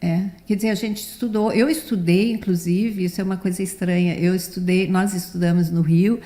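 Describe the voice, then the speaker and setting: A woman's voice: lowish voice, fairly even intonation, brisk, mellow. A woman in her seventies, a theatre director, telling stories from her childhood in a chatty, rambling way. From Brazil, born in Rio de Janeiro, raised in the south. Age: 70s. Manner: chatty, rambling, frequent "né" tags. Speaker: theatre director, interview guest. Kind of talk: relaxed storytelling in an interview.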